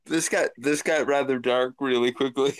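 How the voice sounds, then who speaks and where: A man's voice: medium pitch, normal speed, dry recording. A man chatting on a stream, making blunt, sardonic quips. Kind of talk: casual chat.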